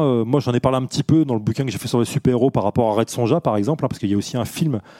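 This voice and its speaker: Lively in intonation, a man talks at a very fast pace with a dark, mellow tone in a very clean recording with a silent background and a dry, close sound with no echo. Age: 40s. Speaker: historian giving a public talk. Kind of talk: lecture. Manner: hesitant, many fillers.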